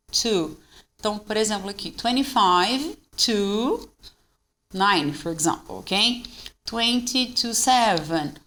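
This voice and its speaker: A Brazilian woman with a Brazilian Portuguese accent, teaching English in a bilingual lesson, slowing down to model phrases and checking in with her students. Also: mid-range voice, fairly bright tone.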